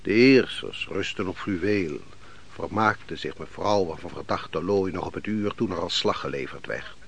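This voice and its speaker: A man's voice: sits low, normal speed, gravelly. An actor playing a brooding, defeated nobleman of an ancient kingdom in a radio play, speaking solemnly and with theatrical deliberation. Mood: bitter, grand. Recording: noisy old radio play recording.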